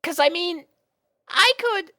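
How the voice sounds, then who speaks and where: A woman voicing a sweet, shy young female pony with a gentle, hesitant manner in a storybook reading. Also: very high voice, lively intonation, takes it slowly, pitched above the performer's own voice, full character voice. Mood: shyly offering.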